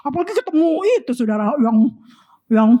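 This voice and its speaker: Brief: woman preacher, fairly high voice, sermon in church, chatty and direct with the congregation. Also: expressive, brisk, mellow.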